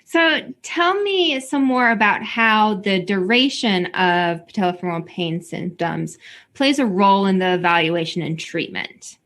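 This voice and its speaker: Mid-pitched woman interviewer. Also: lively intonation, a little slow, a bit bright. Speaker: interviewer, host. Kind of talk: podcast interview questioning.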